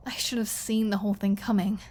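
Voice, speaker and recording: A woman's voice: mid-range voice, steady tone, fairly quick, darkish tone, lightly acted. A woman playing a flirty, defiant captive vampire in an ASMR audio roleplay, teasing and mocking with a sarcastic drawl. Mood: wry, bitter.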